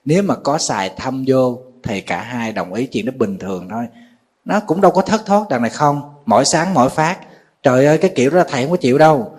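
Một nhà sư giọng Nam Bộ, hơi khàn, giảng pháp thân mật, hay hỏi lại người nghe. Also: male voice, mid-range voice, animated, brisk, darkish tone, slightly rough. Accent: Southern Vietnamese. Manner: folksy and conversational, questions the audience often. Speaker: Buddhist monk giving a dharma talk. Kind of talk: sermon.

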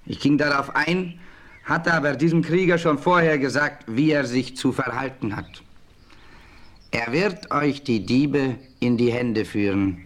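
An actor playing a proud, honourable Native American chief in a German radio play, formal and declamatory. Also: male voice, mid-range voice, a little slow, fairly bright tone, lightly acted. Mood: measured, confiding.

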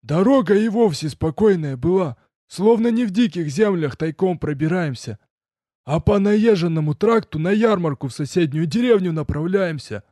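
A man plays a devoted red-haired servant with a high, lively voice that climbs and falls as he cries out. He drags his words out in loud exclamations, and the recording is close and dry. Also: normal speed, no echo. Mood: eager. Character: red-haired male servant, loyal, overjoyed, excitable.

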